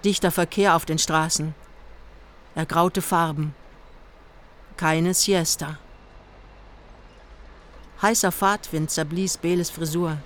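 A woman's voice: deep voice, steady tone, slow, pauses often, a little hiss or hum. An older woman narrating a radio play in clipped, terse literary prose.

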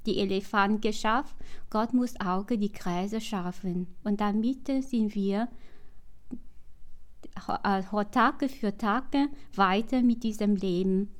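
Slow Vietnamese-accented woman recalling her past. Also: medium pitch. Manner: slow, halting, non-native German with many restarts. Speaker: interviewee. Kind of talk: recounting her life story.

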